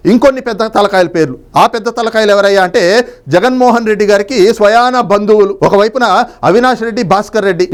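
Male political analyst, high pitch, quick delivery, emphatic monologue style with rhetorical questions. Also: smooth. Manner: emphatic, long winding sentences with rhetorical questions.

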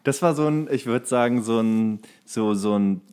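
A man's voice: medium pitch, normal speed, darkish tone, clean tone. Young man in casual banter. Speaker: podcast co-host.

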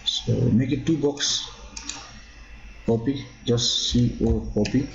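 Halting man with a lo-fi mic. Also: medium pitch, steady tone, creaky, noisy background. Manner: halting, repeats "okay" often, non-native phrasing. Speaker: drafting instructor. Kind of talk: screen-recorded software tutorial. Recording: dull lo-fi sound.

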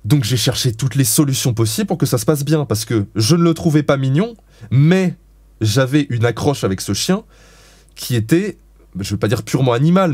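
Man, dog trainer, frank and blunt, mid-pitched voice, dry close sound. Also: a little mellow, no room sound. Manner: frank and blunt, casual swearing. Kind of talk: explanatory interview talk.

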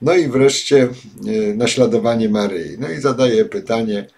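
An older man giving spoken commentary and reading passages aloud, pausing often with filler sounds, recorded at a desk webcam in a home study. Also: mid-range voice, a little mellow, slightly rough. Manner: halting, many filler sounds. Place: home study with bookshelves, indoors.

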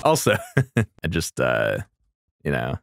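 Excitable young man, very animated voice. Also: a bass voice, slow, gravelly. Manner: excitable, slangy, frequent swearing. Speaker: video creator reacting and ranking. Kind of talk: casual reaction commentary. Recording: music playing behind the voice. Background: game trailer music.

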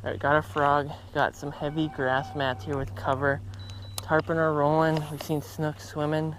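A young American fishing vlogger chats casually from a small boat out on a backwater. His voice is a little high and fairly bright, with little pitch movement and a normal speed. Outdoor boat noise and water ambience fill the recording.

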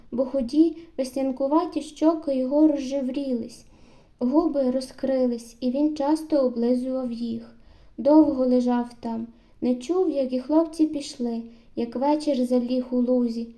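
A woman narrating a literary audiobook story in a measured storytelling manner with steady phrasing. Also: sits high.

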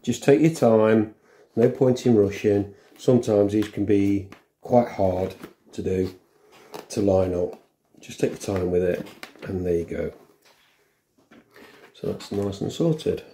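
A middle-aged man talks through a practical job at home in a casual, unscripted way. His voice is mellow and halting, thinking aloud as his hands work, with background noise and small clicks around him. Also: lowish voice. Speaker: vlogger demonstrating a helmet intercom fitting. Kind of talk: casual hands-on tutorial chat. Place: room at home, indoors.

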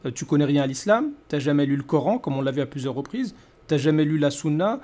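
A man's voice: a little high, lively intonation, fast talker, dark tone. A man in his thirties giving a conversational rebuttal as a video host, with mocking, rhetorical questioning. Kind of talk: conversational rebuttal commentary to camera.

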